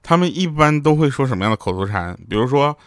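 A man's voice: medium pitch, fast talker, no echo, studio quality. A man hosting a show, telling comic anecdotes and acting out the people in them. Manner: lively, acts out quoted people in changed voices, laughs at his own jokes. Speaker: show host. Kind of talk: comic storytelling monologue.

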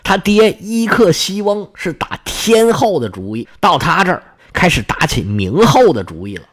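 A male storyteller recounts an ancient myth in a traditional oral style. His voice is fairly high and husky, and it leaps up and down with lively, colloquial drama. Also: normal speed.

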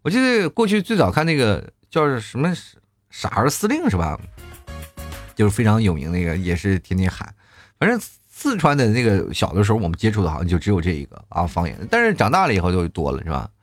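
A man in his thirties reading out viewer comments in casual chat, often shouting quoted lines in exaggerated voices. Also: fairly low pitch, huge pitch swings, a little fast. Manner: chatty, acts out quoted lines loudly.

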